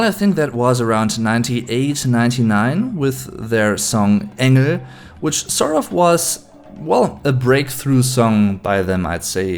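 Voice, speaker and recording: A man in his late twenties from Germany, a native German speaker with a German accent, chatting casually to camera as a YouTube host and mixing German words into his English. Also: medium pitch. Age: late 20s.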